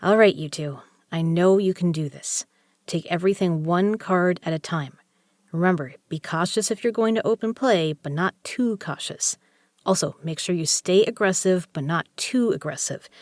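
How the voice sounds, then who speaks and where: A woman's voice: on the low side, moderate pace, a little mellow, no echo, clean studio sound, lightly acted. A woman playing a tough, guarded poker legend in an audio drama, with a blunt, sardonic way of talking. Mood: coaching, encouraging.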